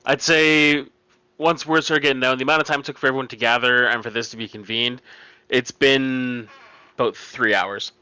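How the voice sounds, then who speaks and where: A man's voice: mid-range voice, fairly even intonation, normal speed, pushed and bright, clean tone, no room sound. Casting: man as tabletop game master, forward clean tone, describing scenes to players. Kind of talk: narrating a tabletop role-playing game.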